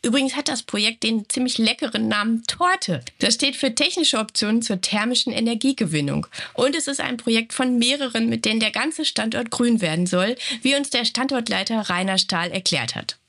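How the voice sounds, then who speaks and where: A woman's voice: a little high, expressive, fairly quick, hardly any pauses, fairly bright tone. Congested woman news co-host. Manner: friendly, conversational. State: stuffy cold. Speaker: co-host of a company news show. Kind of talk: casual scripted news chat.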